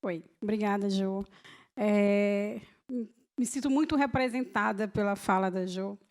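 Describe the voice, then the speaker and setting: A woman's voice: medium pitch, unhurried. A woman moderating a panel discussion, speaking reflectively and often restarting her words. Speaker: moderator of the talk.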